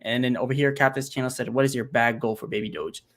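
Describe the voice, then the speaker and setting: A man's voice: mid-range voice, steady tone, quick pace. A man hosting a casual livestream Q&A from his home computer, thinking aloud and working out numbers with many fillers. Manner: rambling, thinks aloud while doing math, many fillers. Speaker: crypto channel host. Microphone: home computer setup, single monitor.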